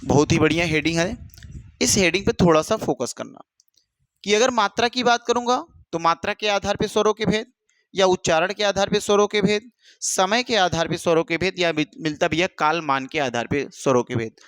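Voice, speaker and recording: A male teacher giving an exam-prep lesson, dictating notes slowly with many repeats and calling students brother. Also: high-pitched, a bit bright, clean tone, no room sound.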